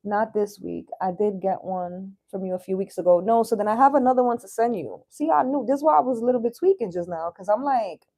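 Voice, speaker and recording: A woman's voice: medium pitch, fairly quick, hardly any pauses, warm tone. A woman in her thirties talking as a tarot reader on a livestream, in a chatty, slangy, casual way that takes in some swearing. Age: 30s. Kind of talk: casual live chat and tarot reading.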